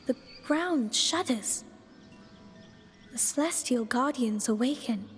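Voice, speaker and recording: High, reverberant mystical being. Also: female voice, lively intonation. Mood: solemn, cryptic. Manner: measured, cryptic. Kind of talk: video game character acting. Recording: long reverb, faint music.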